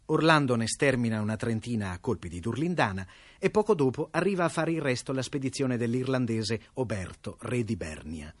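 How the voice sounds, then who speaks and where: A man narrating a classic tale for radio in a lively, wry storytelling manner. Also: mid-range voice, fairly quick, no room sound.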